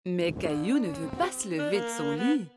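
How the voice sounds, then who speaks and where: A woman's voice: on the low side, big pitch swings, moderate pace. A woman reading scripted narration for a children's cartoon story. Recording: music behind the voice. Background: music.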